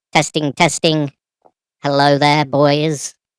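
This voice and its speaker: A put-on character voice, raspy and low-to-middle in pitch, moves at a fairly slow pace with monotone, flat intonation. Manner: flirty, teasing.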